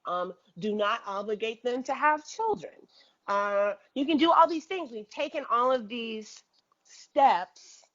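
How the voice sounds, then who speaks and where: A woman speaking as an interview guest, reflective and deliberate, repeating phrases for emphasis. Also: fairly high pitch, lo-fi sound.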